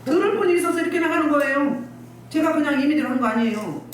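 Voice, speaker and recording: Woman pastor, scolding sermon style; animated delivery, distant roomy recording with faint hiss. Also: sits high, fast. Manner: scolding, exhorting, rhetorical questions. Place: church hall. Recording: echoey distant church recording, faint noise.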